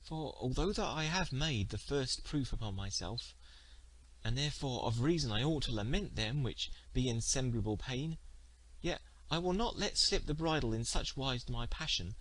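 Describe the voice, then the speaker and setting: A man reading the part of a virtuous, guarded young maiden in a storybook, speaking formally and with measured courtesy. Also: mid-range voice, animated, a bit bright, no echo, poor audio. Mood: guarded, firm. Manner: formal, measured, principled speech. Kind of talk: storybook character dialogue.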